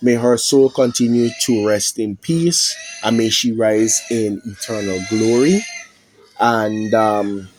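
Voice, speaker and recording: Slow-talking Guyanese man, heavy and halting. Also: on the low side, darkish tone, a little hiss or hum, poor audio. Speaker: MMA prediction channel host. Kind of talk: somber direct-to-camera talk. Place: at home indoors.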